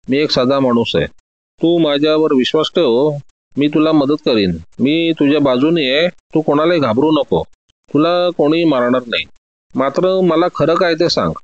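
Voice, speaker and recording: A man reading a story, voicing a shrewd male detective who speaks in a measured, soothing way to win trust. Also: fairly high pitch, no room sound, lo-fi sound, close to an everyday voice. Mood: coaxing.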